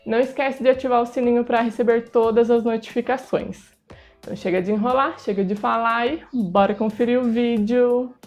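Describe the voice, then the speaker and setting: Her voice fairly high, steady, a little mellow and fairly quick, a Brazilian-accented woman in her thirties presents a casual cake decorating tutorial as the channel's host. She uses a lapel mic, the highs are cut off, and background music runs underneath.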